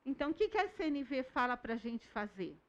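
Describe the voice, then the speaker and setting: Calm woman teaching a Bible lesson. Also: high-pitched, a little fast, highs cut off. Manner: calm, explanatory, tells classroom stories. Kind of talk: recorded online lesson.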